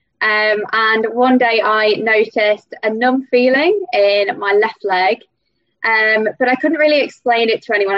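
The speaker has a plain, everyday voice. The pace is fairly slow, with ordinary pitch variation. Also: woman. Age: 20s. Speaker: charity fundraising officer with MS. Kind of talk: interview. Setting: video call.

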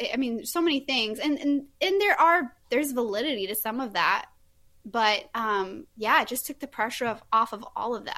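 On a very clean recording with a silent background, a woman speaks at a high pitch. She has a bright, sharp tone, lively intonation, and a moderate pace. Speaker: author. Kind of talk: casual chat. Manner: animated.

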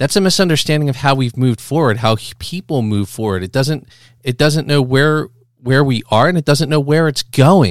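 A man with an unremarkable speaking voice talks at a moderate pace with a fairly high pitch and lively intonation. The recording is very clean, with a silent background. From US Northeast, Philadelphia area. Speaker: podcast host. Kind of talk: solo commentary monologue.

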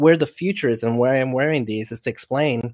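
An unremarkable speaking voice from a man, medium in pitch, fairly quick, with ordinary pitch variation. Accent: American. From New York / US East Coast. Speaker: physician and AI author. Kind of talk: interview.

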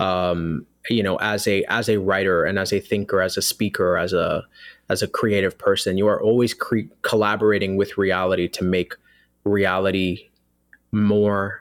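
In a Bronx accent, a man with a fairly low pitch speaks at a moderate pace in a monotone, flat intonation and very even loudness, on a very clean recording with a silent background. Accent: New York, Bronx. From New York City, the Bronx. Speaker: artist, poet and author. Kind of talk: casual chat. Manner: halting.

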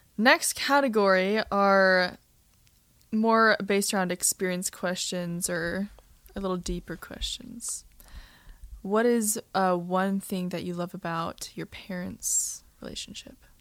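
This woman has an ordinary speaking voice at medium pitch, talking at a fairly slow pace with ordinary pitch variation. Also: very clean recording, silent background. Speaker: podcast host, moderator. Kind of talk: casual chat. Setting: studio.

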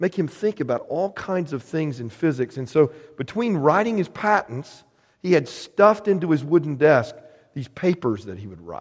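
Very wide pitch swings at a moderate pace. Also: man. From US South. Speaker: guest preacher. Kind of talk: sermon. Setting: church.

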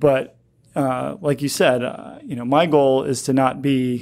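A man's plain, everyday voice at medium pitch and a moderate pace, on a very clean recording with a silent background. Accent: American. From South Jersey, US. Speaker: chiropractor. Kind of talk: interview.

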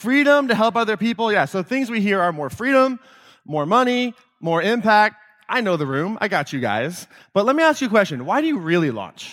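Pitched high, a man's voice swings very widely. He talks at a fairly quick pace. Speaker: podcast host and life coach. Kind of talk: motivational talk to a live audience. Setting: stage with audience. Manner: fast.

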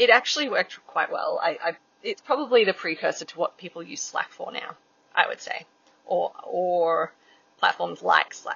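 A woman speaks in an Australian accent at a moderate pace, her loudness swinging widely. Noticeable background noise sits behind her. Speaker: podcast host and leadership communication coach. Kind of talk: casual solo monologue. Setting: in a car.

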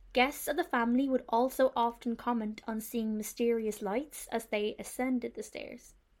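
Speaking in an Irish accent with a fairly high pitch, a woman keeps a moderate pace with hardly any pauses. Her intonation is fairly even, and the recording is very clean with a silent background. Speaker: podcast co-host. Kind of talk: storytelling from notes. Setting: in person, at work.

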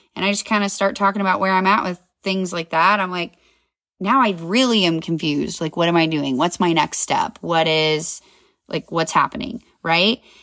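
The voice has a bright, sharp tone and moves at a moderate pace. Pitch varies in an ordinary way over a very clean recording with a silent background. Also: woman, fairly low pitch for a woman. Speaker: self-care podcast host. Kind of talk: solo podcast monologue. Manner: loud; energetic.

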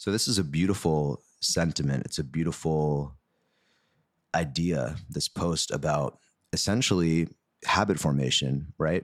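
Ordinary pitch variation accompanies a fairly slow pace. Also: man, very deep, low pitch for a man. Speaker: podcast host. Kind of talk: solo podcast monologue.

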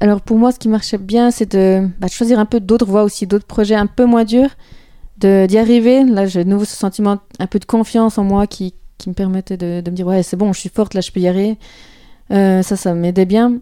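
Fairly quick and fairly even in intonation, a woman speaks at medium pitch. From Switzerland, canton of Jura. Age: 20s. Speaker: professional rock climber. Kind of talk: interview. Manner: hesitant, many fillers.

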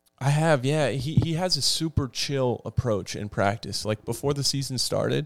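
A man's normal speaking voice, fairly high in pitch with lively intonation, on a very clean recording with a silent background. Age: 20s. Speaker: pro Supercross racer and podcast host. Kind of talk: casual chat.

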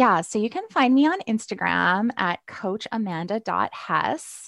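A woman's fairly high voice, an unremarkable speaking voice, at a fairly slow pace with ordinary pitch variation, in a dry, close sound with no echo and a quiet background. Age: 40s. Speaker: self-love coach. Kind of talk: interview.

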